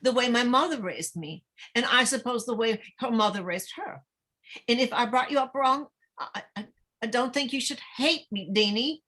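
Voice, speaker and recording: Casting: actress as needy small-town mom, middle-aged, fretful, halting delivery, higher-pitched voice. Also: female voice, a bit bright. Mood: wounded, pleading. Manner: halting, stammering, rambling. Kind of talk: dramatic table read of a screenplay.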